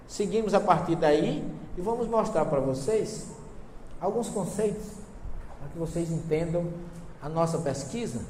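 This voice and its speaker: A man from Northeastern Brazil with a Northeastern accent, giving a lecture on Bible translations to a live audience, telling stories lively, acting out dialogue and questioning his listeners. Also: sits high. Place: large hall. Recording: echoey hall with long reverb, faint noise.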